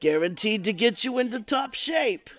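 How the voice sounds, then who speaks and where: A woman's voice: a little high, expressive, normal speed, soft background music, lightly acted. A woman playing a pushy, blunt health club owner with a salesy manner in an old-time radio comedy. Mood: brisk, salesy.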